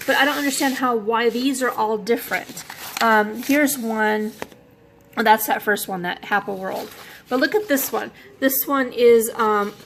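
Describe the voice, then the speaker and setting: A woman's voice: medium pitch, fairly bright tone, slight background noise. Woman in her 40s vlogging, lots of um and like, kinda rambly and unsure. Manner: rambling, many fillers, thinking aloud. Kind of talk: casual talk to camera.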